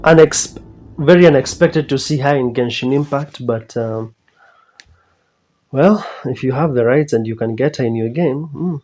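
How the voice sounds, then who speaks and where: Dark-toned man, casual reaction commentary. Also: medium pitch, normal speed. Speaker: reaction video host.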